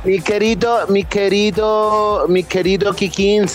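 A pompous, mock-formal Arab tutor put on by a man drawls every phrase in a high voice. Faint music sits under the talk. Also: steady tone. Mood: mock-solemn. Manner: mock-formal, drawn-out comic delivery. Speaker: podcast co-host.

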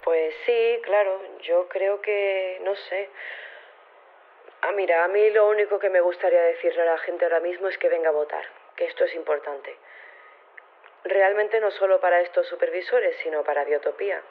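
An actress playing an earnest, hesitant woman reporting by phone in an audio drama, with a Castilian Spanish accent. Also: on the low side. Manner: halting, earnest, unsure. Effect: phone line. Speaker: correspondent at a vote, by phone. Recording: tinny narrow phone line.

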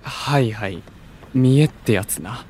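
A man's voice: medium pitch, lively intonation, measured pace, darkish tone, slight background noise, lightly acted. A man playing a cool, blunt young idol with casual, curt and teasing delivery in an anime-style audio drama. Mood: wry.

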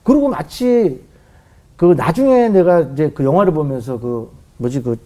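A man's voice: fairly high pitch, expressive, unhurried, warm tone. A middle-aged man telling a story from his life as a talk show guest, acting out voices and sound effects as he goes.

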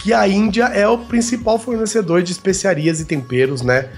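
A Brazilian man with a slightly high voice hosts a casual podcast. He explains things in a conversational way, tagging his statements with little check-in questions. Music plays softly behind him. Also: steady tone, moderate pace. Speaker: podcast host. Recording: music bed under the voice. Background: background music.

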